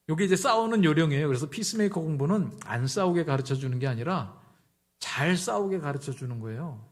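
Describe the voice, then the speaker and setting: A man's voice: on the high side, animated, moderate pace. A middle-aged male pastor giving a conversational sermon, telling stories and acting out both sides of the dialogue. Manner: conversational storytelling, acts out dialogue.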